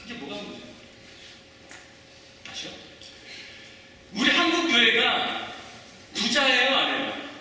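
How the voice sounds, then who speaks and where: A man's voice: very high voice, sing-song, a little slow, pauses often, sharp tone, distant mic, a little hiss or hum. A pastor in his forties preaching a sermon, talking conversationally and quizzing the congregation with questions, heard from off the mic in an echoey church hall. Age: 40s.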